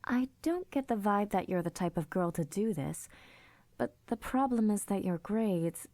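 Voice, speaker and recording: A woman playing a careful, concerned school counselor in an audio drama, gently probing and reassuring. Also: medium pitch, animated, normal speed, no echo, natural voice.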